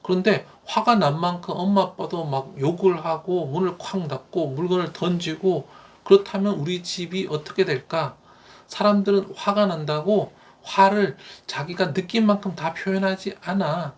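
A man who teaches elementary school gives parents calm, explanatory advice, with frequent "uh" fillers. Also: high voice, moderate pace.

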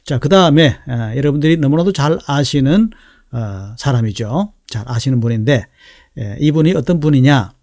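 A middle-aged man teaching English pronunciation in a lesson video, speaking slowly and carefully and repeating each example word. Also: medium pitch, lively intonation, darkish tone, dry recording, clean studio sound.

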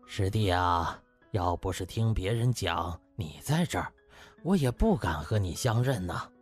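A man's voice: low-pitched, lively intonation, unhurried, husky, faint music behind, voice pushed down, heavily acted. A man voicing a humble, genial elderly country doctor with courteous, old-fashioned phrasing in an audiobook. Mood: warm, wistful.

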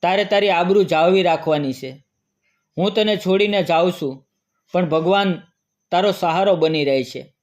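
A man voicing a dying elderly husband giving his wife a tender farewell in a storybook narration, read gently. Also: high voice, moderate pace, pauses often, natural voice.

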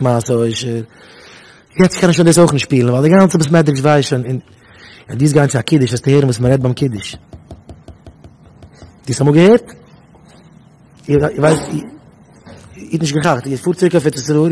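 A man speaking in Yiddish with a Hasidic accent, giving a lively talk and acting out the voices of children and parents. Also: on the high side, slight background noise. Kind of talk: Yiddish lecture to students.

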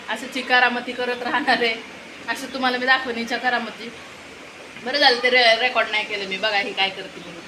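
A woman vlogger chatting at home, telling an animated story and scolding in a casual family vlog. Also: a little high. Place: home indoors. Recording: echoey home room with noise.

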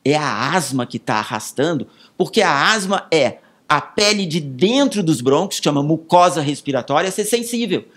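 High-voiced Brazilian doctor explaining patiently. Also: male voice, sing-song, a bit bright. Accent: Brazilian Portuguese. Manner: explains slowly with vivid everyday examples. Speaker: pulmonologist. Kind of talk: explanatory interview answers.

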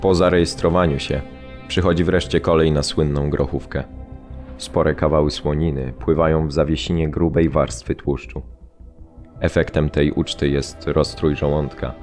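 A grave male prisoner in a radio play. His voice is extremely deep, and he recalls events in measured, restrained phrases over faint music. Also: little pitch movement, darkish tone. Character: Polish male camp prisoner recounting his arrival, sombre and restrained. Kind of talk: radio drama memoir narration.

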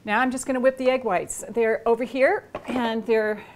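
A cooking show host in her sixties chats casually while working with her hands, demonstrating a recipe in a large home kitchen. Her fairly high voice runs at normal speed against a noisy background.

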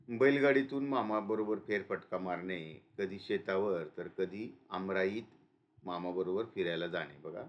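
A male teacher explaining a school lesson, often pausing to check in with listeners. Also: sits low, dull audio, slight background noise. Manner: explains and repeats with frequent "है ना" checks.

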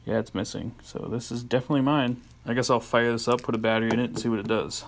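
Filming a home vlog on a handheld cell phone, a man chats in an offhand way with occasional mild grumbling. He's a fast talker with a medium-pitched, steady tone.

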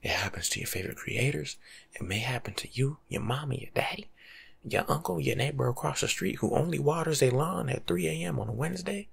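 A young American man giving rambling, slangy ASMR life advice in a hushed, breathy voice, playful and animated, close to the mic in a room at home. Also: medium pitch, a little fast. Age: young adult. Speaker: ASMR video creator. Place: small indoor room at home.

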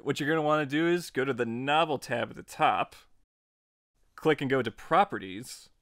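A man narrating a casual software tutorial as its host, in an informal, jokey and playfully emphatic way. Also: medium pitch, normal speed, dry recording, studio quality. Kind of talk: casual tutorial narration over screen recording.

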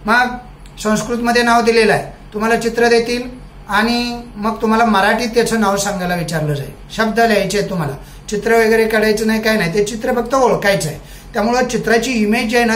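A man's voice: high-pitched, fairly bright tone, slight background noise. A male teacher giving a recorded lesson. He drills words over and over and keeps asking quiz-style questions. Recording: echoey room.

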